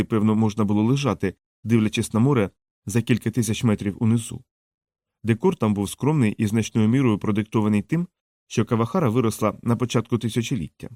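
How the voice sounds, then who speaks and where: A man reading an audiobook in a measured, even narration. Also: fairly low pitch, dry recording, clean studio sound.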